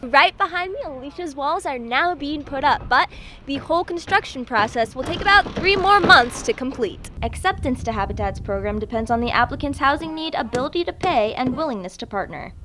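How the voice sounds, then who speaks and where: Over noticeable background noise, a woman in a raised, projected voice talks at a fairly quick pace with hardly any pauses, her high pitch making very wide swings. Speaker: TV news reporter. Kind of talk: TV news package voiceover.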